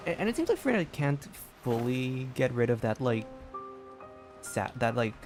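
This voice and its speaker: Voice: mid-range voice, very animated, normal speed, music in the background. A game streamer of androgynous-sounding voice giving casual, musing commentary in a conversational way.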